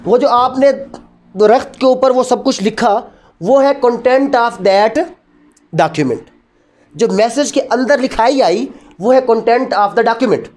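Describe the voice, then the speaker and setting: A man's voice: very high-pitched, slow, darkish tone. A man with a Pakistani accent giving a didactic law lecture, mixing in English terms and answering his own questions.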